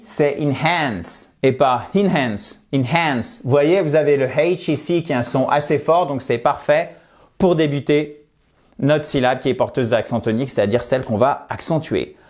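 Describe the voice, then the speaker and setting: A French man gives a casual English vocabulary lesson, his voice pitched somewhat high. He keeps a chatty flow and tosses out rhetorical questions. When he models a word, he slows right down and repeats it again and again. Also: darkish tone. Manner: slows down to model words, drills pronunciation. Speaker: English teacher.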